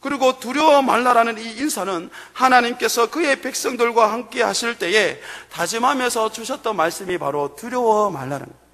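High-voiced male pastor preaching in a hall. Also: animated, fairly quick, a bit bright. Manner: preaching with rising, emphatic bursts. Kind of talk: sermon. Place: church sanctuary. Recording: long hall reverb.

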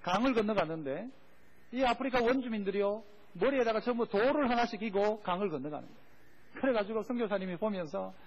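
Male preacher, high-pitched, quizzing the congregation; muffled recording. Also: lively intonation, fast talker. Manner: call-and-response preaching, asks the congregation questions. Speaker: pastor. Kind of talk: sermon. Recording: dull lo-fi recording.

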